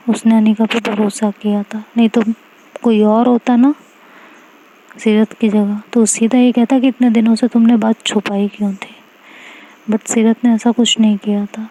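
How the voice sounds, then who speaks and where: A woman's voice: on the high side, dark tone, a little hiss or hum, lightly acted, low-quality recording. A woman voicing an outspoken young woman who lectures and scolds her friends. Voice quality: scolding, emphatic.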